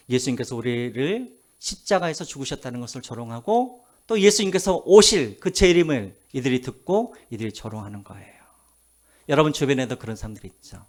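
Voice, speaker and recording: A male pastor preaching a Sunday sermon who keeps asking the congregation questions and answering them himself, slowing down to read scripture aloud. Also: mid-range voice. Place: church sanctuary.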